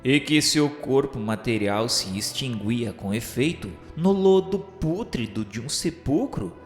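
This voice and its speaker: A man's voice: medium pitch, expressive, unhurried. A Brazilian man narrating a radio novel in a solemn, dramatic, grandiloquent literary style, with formal declamation. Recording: echoey, long reverb, music underneath. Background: music.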